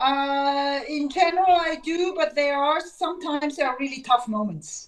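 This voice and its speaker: This woman speaks with a German accent at a high pitch. Her pace is moderate. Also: ordinary pitch variation. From Switzerland. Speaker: schoolteacher. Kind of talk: casual chat. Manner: halting.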